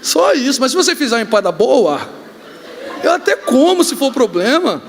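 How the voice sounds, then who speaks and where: A man with a Brazilian accent, a pastor preaching a sermon, joking and telling stories with sudden shouts. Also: very high voice, a little fast. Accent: Brazilian Portuguese. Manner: joking, animated storytelling with shouts. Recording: reverberant hall, faint ambience.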